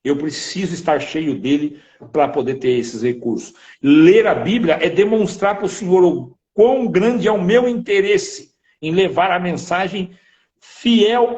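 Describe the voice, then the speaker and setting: Male preacher, higher voice, animated testimony storyteller who acts out voices. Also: normal speed, low-quality recording. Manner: lively storytelling, acting out voices, emphatic. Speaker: interviewed preacher. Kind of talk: testimony in a religious interview.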